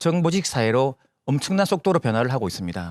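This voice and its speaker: On a very clean recording with a silent background and a dry, close sound with no echo, a man at medium pitch talks at a moderate pace with very wide pitch swings. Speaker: motivational speaker at business seminar. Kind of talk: seminar talk.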